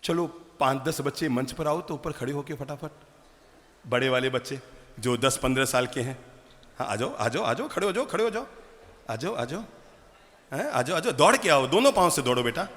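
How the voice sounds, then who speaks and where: A man, a Jain monk, giving an animated sermon full of rhetorical questions and acted-out family scenes. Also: medium pitch, normal speed, pauses often. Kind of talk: sermon to a live audience. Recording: long hall reverb.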